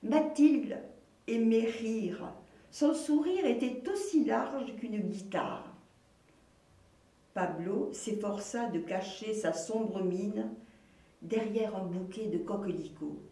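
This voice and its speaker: An older woman, a volunteer reader, reading a children's picture book aloud in a slow, gentle, expressive way. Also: medium pitch. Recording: roomy echo, distant mic.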